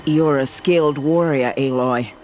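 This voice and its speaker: An actor playing a solemn, dignified tribal war chief in a video game, speaking in a measured way. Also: male voice, medium pitch, a little mellow, slight background noise, close to an everyday voice. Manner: measured and grave. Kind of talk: game cutscene acting.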